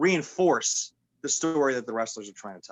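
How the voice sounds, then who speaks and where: An ordinary speaking voice, lively intonation, a fairly quick pace, and a dry, close sound with no echo. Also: man. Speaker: pro wrestling announcer and commentator. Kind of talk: interview answer.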